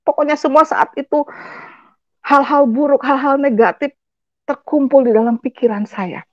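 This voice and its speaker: A woman's voice: high voice, normal speed, dry recording. Woman giving an emotional testimony. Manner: addresses the audience directly, sprinkles in English words. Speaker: testimony speaker. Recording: dull, dry lo-fi recording.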